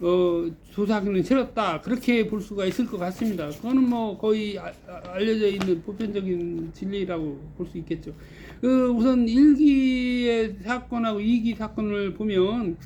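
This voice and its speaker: Delivered at a fairly slow pace, the speech has ordinary pitch variation and big swings in loudness. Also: man, high pitch for a man. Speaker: commentator on current affairs; administrative agent, former civil servant and candidate. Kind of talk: solo commentary to camera. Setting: office. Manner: occasionally tangled pronunciation in early morning; halting, with fillers and self-corrections.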